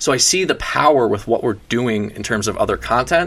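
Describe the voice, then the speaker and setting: Speaking at a fairly quick pace with an American accent, a man has a medium pitch, vocal fry and a bright, sharp tone. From South Florida. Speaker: media company founder and entrepreneur. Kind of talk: casual interview.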